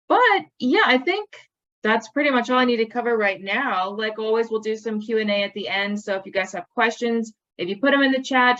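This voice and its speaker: A woman's voice: medium pitch, fairly bright tone, highs cut off. Casual young woman hosting a video call. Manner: casual, filler-heavy, with many ums and likes. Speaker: program host.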